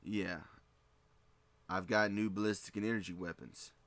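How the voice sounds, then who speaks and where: A man voicing a cold cyborg male mercenary who speaks flat, without strain, slow and deliberate. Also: low-pitched, dry recording.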